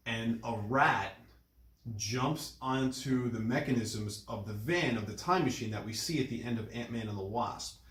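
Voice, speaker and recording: A man's voice: medium pitch, normal speed, fairly bright tone. A man explaining a film's plot in casual podcast talk, often repeating and rephrasing himself. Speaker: podcast co-host recapping a film. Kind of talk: casual film discussion and plot recap. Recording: echoey, roomy recording.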